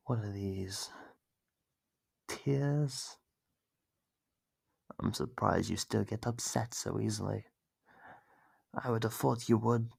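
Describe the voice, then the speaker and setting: Male actor as a menacing monster, heavy gravelly creak, husky whispery delivery, smug, sadistic, theatrical, close dry mic, horror ASMR. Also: on the low side, no room sound, exaggerated voice. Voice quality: gravelly, husky, often dropping to a breathy whisper. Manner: slow, taunting, theatrical drawl with drawn-out pauses. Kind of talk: horror ASMR roleplay monologue.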